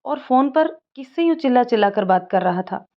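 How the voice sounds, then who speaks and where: A woman's voice: a little high, expressive, a little fast, dull audio, voice pushed up. A woman reading a teasing young male friend.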